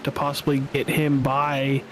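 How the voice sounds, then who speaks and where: A man's voice: mid-range voice, monotone, unhurried, fairly bright tone, a little hiss or hum, low-quality recording. A man co-commentating an esports race, chatty analysis mixed with wisecracks.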